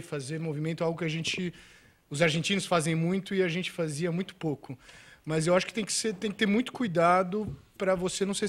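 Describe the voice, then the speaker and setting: A man with a notably high voice speaks as a panel guest at a studio table. He rambles, restarts often and acts out what others say. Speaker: panel guest, agronomist and writer. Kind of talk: panel discussion talk show.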